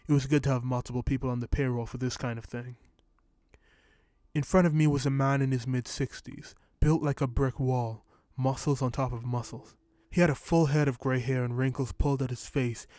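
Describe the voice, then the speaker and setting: Reading from a script, a man narrates a short story in the first person, keeping his pace steady and even. His voice is mid-range, and there's no echo.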